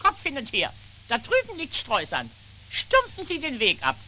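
A woman's voice: sits high, wildly swooping pitch, moderate pace, bright, forceful tone, a little hiss or hum, heavily acted. An actress playing a fussy, bossy female magpie in a children's puppet show, prim and scolding, with lots of exclamations.

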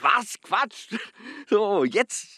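A man's voice: sits high, expressive, extremely slow, bright, forceful tone, breathy edge, heavily acted. An actor playing a troubled husband and father who stammers and talks restlessly. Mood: forced cheer. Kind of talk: film drama acting.

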